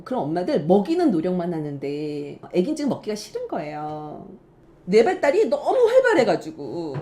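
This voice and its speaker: A woman running a parenting class, giving advice to mothers in a lively, playful lecture and acting out parents with laughs. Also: medium pitch. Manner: animated, acts out mothers and dads with laughs.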